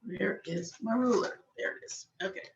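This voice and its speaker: A woman slowly demonstrating a jewelry-making technique on camera, a little hoarse, chatting patiently as she works with her hands. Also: medium pitch. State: slightly hoarse. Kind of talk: slow step-by-step craft demonstration.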